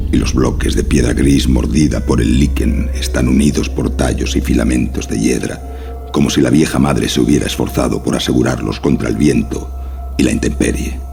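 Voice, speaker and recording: A man's voice: rumbling low, vocal fry. A man narrating a scripted horror story over music. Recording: music behind the voice.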